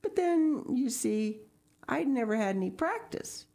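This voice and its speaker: A high, lifted voice from a woman narrator playing an imaginative young orphan girl in a storybook. She is excitable and effusive, pouring out earnest, imploring speeches in long, wordy runs. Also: unhurried, creaky, exaggerated voice. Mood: apologetic.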